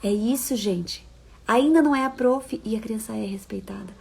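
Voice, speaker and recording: Expressive woman giving parenting advice. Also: a little high, normal speed, gravelly, husky. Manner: expressive, swings from soft coaxing to emphatic. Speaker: parenting educator. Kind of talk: live-stream advice talk.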